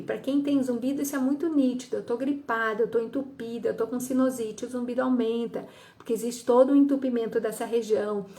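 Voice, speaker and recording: A middle-aged audiologist and psychologist from Brazil lays out the reasons behind ear ringing in an educational health talk, her voice fairly high and darkish. She keeps checking in with "tá?" and acts out quotes from her patients.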